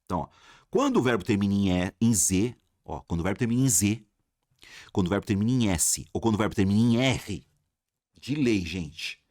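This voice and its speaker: A man with a Brazilian Portuguese accent teaching a lively exam-prep grammar lesson, talking straight to his viewers and asking himself questions. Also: lowish voice, fairly quick, no room sound, clean studio sound. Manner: animated, addresses viewers as "galera", asks himself questions.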